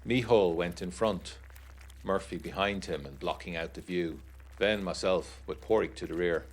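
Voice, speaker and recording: Low, brooding male narrator. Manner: measured, brooding, literary storytelling. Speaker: first-person narrator of an audio drama. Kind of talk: scripted dramatic narration.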